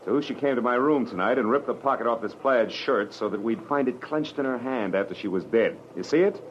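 A man acting a wry, world-weary private detective in a 1940s radio drama, with clipped, slangy, deliberate delivery. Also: mid-range voice, slight background noise, lightly acted. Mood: grim, wry. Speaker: lead actor and narrator. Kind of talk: 1940s radio drama acting, first-person noir narration. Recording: muffled old radio broadcast, music behind.

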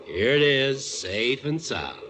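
An American actor playing a genial, obliging elderly gentleman in a 1940s radio drama. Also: medium pitch, very animated, takes it slowly.

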